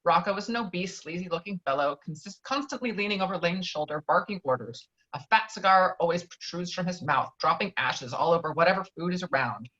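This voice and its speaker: A woman's voice: on the low side, animated, brisk, hardly any pauses, fairly bright tone. A woman reading out screenplay stage directions at an informal table read, now and then stumbling and correcting herself. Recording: dull lo-fi online call audio.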